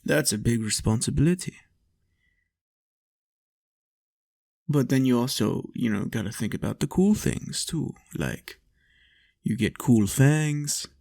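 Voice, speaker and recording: A man's voice: medium pitch, expressive, creaky, warm tone, no echo, clean studio sound. A man playing a lonely, doting vampire lord in an intimate roleplay, soothing and playful as he coaxes the listener. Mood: reassuring, playful. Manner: soothing, unhurried, lapses into whispers and chuckles.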